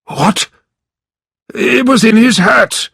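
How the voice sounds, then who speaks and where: A scheming, fussy lawyer, as a male narrator puts him on, who bursts into shrill, showy cries of dismay. His voice leaps about in pitch and sounds husky and dry, close to the mic. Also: expressive, slow pace, a bit bright, no room sound, exaggerated voice. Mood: mock shock. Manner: theatrical, high-pitched exclamations.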